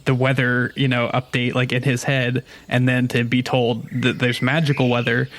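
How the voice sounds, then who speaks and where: A man's voice: medium pitch, flat delivery, moderate pace, a bit bright. A man playing a tabletop role-playing game, narrating his character's actions in a casual, rambling way.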